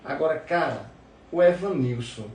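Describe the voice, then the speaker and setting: A man's voice: on the high side, expressive, moderate pace, a little mellow. A man with a northeastern Brazilian accent telling anecdotes in casual chat as a podcast guest, often repeating words as he goes. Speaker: podcast guest, forró musician. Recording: roomy, distant mic, faint background noise.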